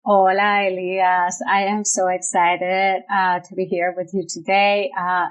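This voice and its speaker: A woman's voice: fairly low pitch, low-quality recording. A middle-aged woman with a Puerto Rican accent, speaking as an interview guest and telling a personal story conversationally. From Puerto Rico. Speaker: podcast guest, nonprofit chief executive.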